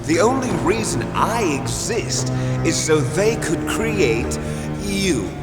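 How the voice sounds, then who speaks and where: A bitter game villain with a fairly high, swooping voice. He taunts grandly and theatrically, like a man set on revenge. The sound echoes heavily with music underneath. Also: very animated, takes it slowly, exaggerated voice. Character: vengeful, bitter villain, resentful cloned twin brother. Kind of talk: dramatic video game voice acting.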